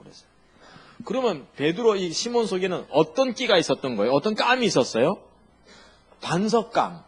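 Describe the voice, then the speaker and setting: A middle-aged male pastor delivers a sermon with a husky, slightly raised voice. His pitch leaps up and down as he preaches in a chatty, animated way, tossing rhetorical questions to his listeners.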